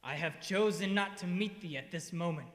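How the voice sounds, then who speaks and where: Wrathful male ghost, high-pitched, imperious archaic speech, radio mystery, long echoing reverb. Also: normal speed, a bit bright. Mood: vengeful. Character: menacing male ghost of an old nobleman. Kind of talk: old-time radio mystery acting. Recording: echoey hall with long reverb.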